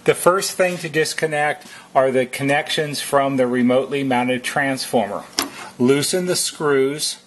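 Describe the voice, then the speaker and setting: A man giving methodical, step-by-step instructions as a repair technician, in a deliberate how-to narration. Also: medium pitch, a little hiss or hum.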